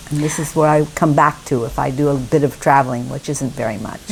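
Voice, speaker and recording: A woman speaks over noticeable background noise. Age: 80s+. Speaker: retired expatriate. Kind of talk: interview.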